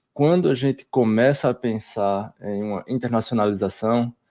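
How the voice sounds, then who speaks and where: Recorded with a dry, close sound and no echo, a man speaks at a fairly slow pace. The background is quiet, and his pitch varies in an ordinary way. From Pernambuco, Brazil (Araripina and Recife). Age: 20s. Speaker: software developer. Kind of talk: online masterclass presentation. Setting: live stream with screen share. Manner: halting, many repetitions.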